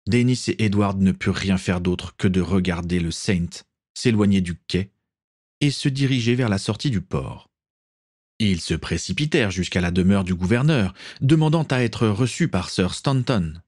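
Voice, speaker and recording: A man narrating an audiobook in an expressive, wide-ranging reading, close on the mic. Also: deep voice, moderate pace, dry recording. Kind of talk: scripted narration.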